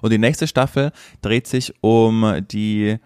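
Guy on a podcast, kinda low voice, animated storytelling, dry close mic. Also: slow, clean tone, no echo. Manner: animated storyteller, many restarts. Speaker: podcast co-host. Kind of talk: casual chat.

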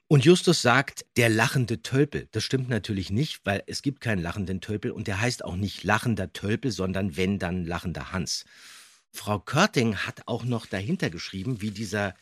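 A man speaks as an emphatic podcast co-host in casual chat. His voice is slightly low and husky, with very animated intonation. The recording is dry and close. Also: no room sound. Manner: emphatic, opinionated.

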